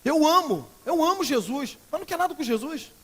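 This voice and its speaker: High-voiced Brazilian pastor preaching emphatically. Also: male voice, lively intonation, a little fast, big-room sound. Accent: Brazilian Portuguese. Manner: emphatic preaching, swinging between loud outbursts and quiet earnest passages. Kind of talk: sermon. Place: church sanctuary.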